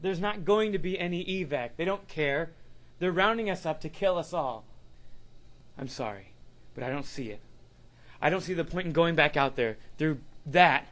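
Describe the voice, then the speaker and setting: Man acting as a wary young student survivor, slightly high-voiced. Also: animated, moderate pace, fairly bright tone. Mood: bitter, distrustful. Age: young adult. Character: wary, frightened young male student surviving a zombie outbreak. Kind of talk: amateur horror radio drama acting. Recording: noisy amateur radio drama recording.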